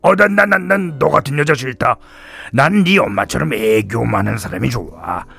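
A man's voice: mid-range voice, moderate pace, vocal fry, pushed and bright, slightly rough, faint music behind, heavily acted. A man voicing a blunt, grumbling older husband who blusters at his family in a radio story. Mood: blustering.

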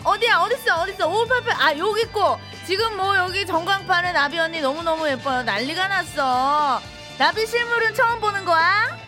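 A woman's voice: extremely high pitch, animated, moderate pace, music in the background. A woman in her thirties hosting a live radio show, chatting and teasing her listeners as she reads their messages. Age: 30s.

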